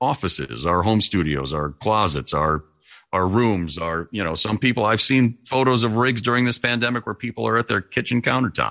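A man at a moderate pace, bright and sharp in tone, with a dry, close sound, no echo and a quiet background. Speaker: radio broadcaster and voiceover artist. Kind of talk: casual interview.

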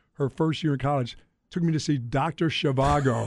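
Fairly quick and fairly high in pitch, a man speaks in a normal speaking voice with an American accent and fairly even intonation. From North Carolina (Greensboro). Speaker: radio host. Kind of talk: casual chat.

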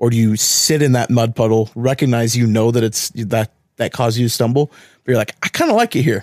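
Recorded very cleanly against a silent background, with a dry, close sound and no echo, a man with an ordinary speaking voice talks at a fairly quick pace with a medium pitch and fairly even intonation. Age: 30s. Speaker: podcast co-host, single dad. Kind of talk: casual chat.

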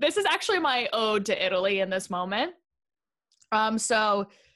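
Speaking with an American accent at a fairly slow pace, a woman has a fairly high pitch, a bright, sharp tone and lively intonation. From New Jersey, Jersey Shore. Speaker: podcast guest. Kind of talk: casual chat.

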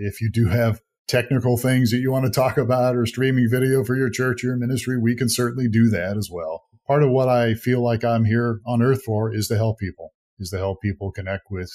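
Recorded very cleanly against a silent background with a dry, close sound and no echo, a man in an unremarkable speaking voice talks at medium pitch and a fairly quick pace with ordinary pitch variation. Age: 60s. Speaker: pastor and church streaming provider. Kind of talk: casual chat.

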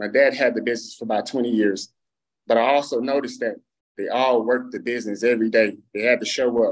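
With a West Texas accent, this voice races at a very fast pace in a monotone, flat intonation. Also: man, medium pitch for a man. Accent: West Texas Southern US. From Texas, Snyder. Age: 20s. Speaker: cleaning business owner. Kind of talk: interview.

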